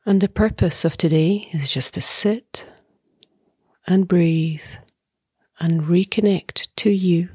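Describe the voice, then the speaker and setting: A middle-aged woman leading a guided meditation as a teacher, speaking softly and breathily in a calm, gentle way with long pauses. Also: fairly low pitch, dry recording, studio quality. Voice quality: soft, breathy.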